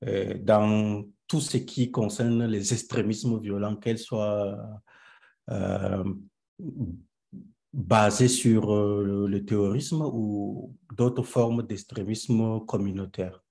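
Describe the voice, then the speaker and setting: A young man from Cameroon, a peace researcher, speaking as a guest on an online live interview, slowly and with many hesitant pauses. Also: lowish voice, little pitch movement, creaky, warm tone. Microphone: video call.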